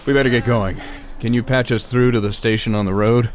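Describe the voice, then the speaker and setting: An actor playing a steady radio-station man who talks calmly and tersely and takes charge. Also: medium pitch, a little fast, natural voice. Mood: tense. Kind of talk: radio drama acting. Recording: noisy radio-play track with effects.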